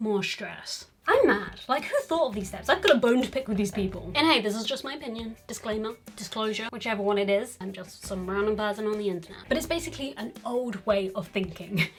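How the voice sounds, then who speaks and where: Animated and fairly high-pitched, a woman with a British accent talks at a fairly quick pace with hardly any pauses over noticeable background noise. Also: lively intonation. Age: 20s. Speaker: mental health vlogger. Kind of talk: casual vlog monologue. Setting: seated in a spinning chair.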